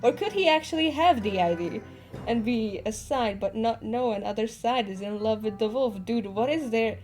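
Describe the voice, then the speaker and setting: A woman's voice: fairly high pitch, moderate pace, darkish tone, faint music behind. A woman webcomic artist chatting casually as she answers fan comments, laughing often and swearing freely. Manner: giggly, chatty, laughs often between sentences. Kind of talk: casual Q&A chat.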